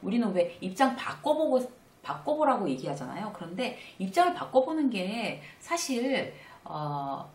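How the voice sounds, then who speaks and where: Middle-aged woman lecturer, chatty and animated, slightly distant roomy sound. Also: medium pitch, measured pace. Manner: conversational, acts out little dialogues with animated asides. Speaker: workplace lecturer and author. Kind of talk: casual spoken lecture.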